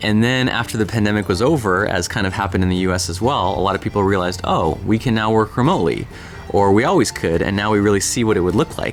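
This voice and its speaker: A fairly low-pitched man with an American accent, very fast pace and ordinary pitch variation, over noticeable background noise. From Southern California. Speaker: author and productivity educator. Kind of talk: personal life update vlog. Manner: casual, conversational with fillers.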